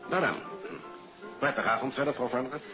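An actor playing a polite, businesslike police investigator in a 1950s Dutch radio play. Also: male voice, mid-range voice, fast, lightly acted. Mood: courteous. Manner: formal, courteous, matter-of-fact. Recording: dull old radio recording, music behind.

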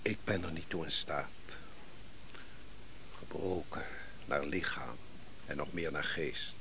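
An actor playing a defeated army commander in a Dutch radio play, weary, bitter and brooding, speaking in a grave, declamatory way. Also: male voice, very deep voice, takes it slowly, vocal fry, heavily acted. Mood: broken, bitter. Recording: noisy old radio play recording.

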